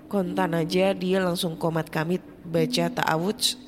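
A woman narrating a first-person horror story in a tense, hushed way, acting out the lines of people in it. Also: on the low side, level tone, unhurried, background noise. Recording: music playing underneath.

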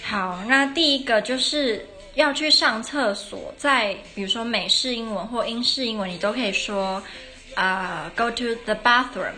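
A woman's voice: fairly high pitch, moderate pace, few pauses, sharp tone, faint music behind. A tired woman giving a casual podcast lesson on English phonetics, talking unhurriedly with many fillers and restarts.

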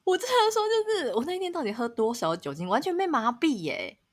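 A woman co-hosting a podcast tells a story in casual conversation, talking fairly quickly with big pitch swings. She laughs often and jumps up in pitch at the dramatic moments.

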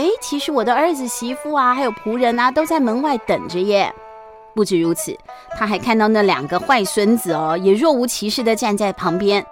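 Telling a bedtime story from a picture book, a woman speaks in a medium pitch and keeps things lively and conversational, frequently questioning the children listening. There is background music behind her.

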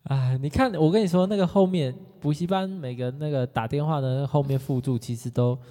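A podcast co-host, telling stories in an animated, excitable way. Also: medium pitch, fairly quick. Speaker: podcast co-host, former education sales consultant. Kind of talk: casual storytelling chat. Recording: long hall reverb.

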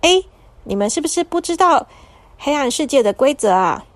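A woman voicing a kind young woman in a white robe who gently explains rules to children in a bedtime story. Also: high voice, sing-song, normal speed, no room sound. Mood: gently explaining. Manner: soft, explaining, coaxing.

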